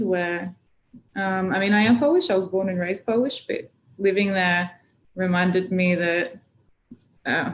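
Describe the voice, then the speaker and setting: A woman activist speaking as a guest on a video call, telling her story in a relaxed, chatty way with plenty of fillers. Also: fairly low pitch, a little hiss or hum, poor audio. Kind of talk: casual video-call interview.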